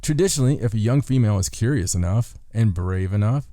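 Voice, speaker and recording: Male podcast host, low dark voice, dry humor, casual read of folklore lists, very close dry sound. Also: animated, quick pace, no echo. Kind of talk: reading a list of folklore with casual joking asides.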